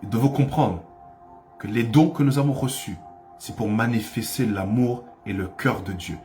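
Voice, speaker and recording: A male pastor delivers a fervent sermon in a middle-pitched voice, building from calm teaching to loud, urgent cries. He leans on repetition to drive points home. Faint music plays beneath his voice. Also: moderate pace. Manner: impassioned preaching, rising to cries; repeats phrases for emphasis.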